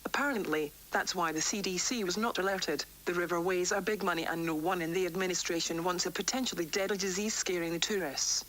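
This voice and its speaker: A woman playing a worried, defiant doctor dictating formal, measured research logs for an analog horror tape series, recorded on vintage cassette. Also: on the low side, a bit bright, close to an everyday voice, rough recording. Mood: grave, concerned. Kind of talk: analog horror tape log, scripted report.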